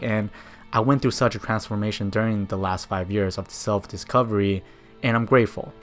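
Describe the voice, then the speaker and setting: A low-pitched man narrates a scripted film essay. He speaks fluent second-language English in a reflective, personal way, with music playing behind him. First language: Mandarin. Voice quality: non-native but fluent English. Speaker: video essayist.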